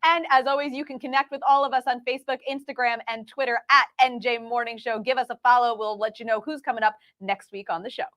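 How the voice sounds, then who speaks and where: A woman co-hosts a morning television talk show. Her voice sits a little high. She asks her questions in a loose, rambling way, full of fillers and restarts. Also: steady tone, quick pace, few pauses, fairly bright tone. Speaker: co-host. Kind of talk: morning TV interviewing.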